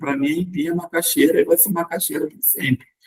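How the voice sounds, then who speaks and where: A man's voice, fairly high in pitch. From Rio de Janeiro, Brazil. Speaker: pastor teaching a discipleship class. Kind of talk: lecture. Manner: hesitant, frequent fillers and restarts.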